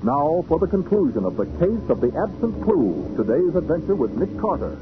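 A man's voice: fairly high pitch, big pitch swings, normal speed, phone-quality sound. A man narrating as a radio announcer in a dramatic, scripted 1940s style. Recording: thin old radio, loud music behind.

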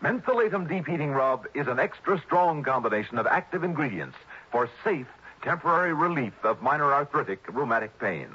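A male radio announcer reading an advert and credits in smooth 1960s announcer style. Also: fairly high pitch, brisk. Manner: smooth, animated announcer delivery. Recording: dull old radio recording with music.

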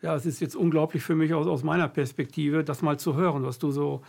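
A man's voice: fairly high pitch, fairly even intonation, gravelly, darkish tone. A middle-aged man from western Germany interviews his guest in casual conversation, thinking aloud as he shares his own stories. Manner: halting, thoughtful storytelling.

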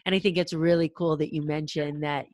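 A woman hosting an interview podcast and coaching pitch, talking in an upbeat, chatty way with casual fillers. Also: steady tone, brisk, darkish tone, dry recording, clean studio sound.

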